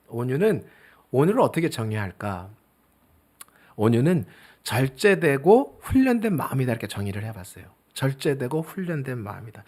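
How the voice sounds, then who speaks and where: A middle-aged male pastor preaching a sermon, swinging between loud emphasis and soft, near-whispered asides. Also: on the high side, vocal fry.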